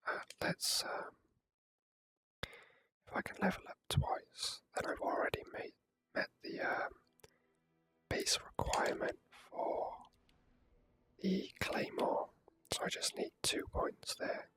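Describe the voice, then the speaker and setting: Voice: takes it slowly, pauses often. A person whispering hesitant, rambling ASMR commentary while playing a video game, close to the microphone.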